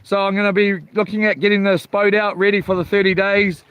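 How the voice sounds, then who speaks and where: A man with a notably high-pitched voice and a broad New Zealand accent talks in a loose, rambling way. He sounds like a casual livestream host, hesitant and informal. The recording is outdoors on a boat, with faint water and boat noise behind him. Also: level tone, brisk, muffled recording. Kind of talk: casual live vlog chat. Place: outdoors on a small boat at sea.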